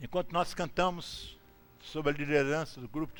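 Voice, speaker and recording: Here a man speaks at a moderate pace with a fairly high pitch. His intonation is lively, and room echo can be heard. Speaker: pastor. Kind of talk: sermon. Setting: church.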